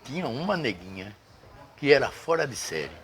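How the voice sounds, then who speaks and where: An older man, a doctor reminiscing in casual conversation, halting and searching for names. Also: mid-range voice, sing-song, fairly bright tone, a little hiss or hum. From Brazil. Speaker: guest doctor.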